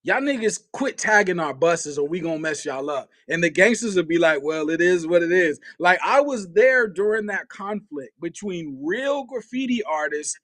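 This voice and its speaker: Early-forties male podcast co-host, high and dry, lively storyteller. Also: normal speed, hardly any pauses, no room sound. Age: early 40s. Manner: animated, nostalgic storytelling with laughs. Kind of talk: casual chat.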